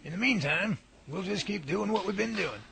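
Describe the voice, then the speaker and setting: A man's voice: high-pitched, animated, moderate pace, gravelly, fairly bright tone, full character voice. A man acting a folksy, earnest Bigfoot researcher in a radio drama, full of old-fashioned exclamations and homespun idioms. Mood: matter-of-fact. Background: music.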